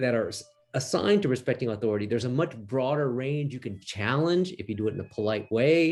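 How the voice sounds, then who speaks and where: Against a quiet background, a man talks fairly quickly in a plain, everyday voice. His medium pitch carries lively intonation. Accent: American. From United States. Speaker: retired corporate executive, panelist. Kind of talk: panel discussion.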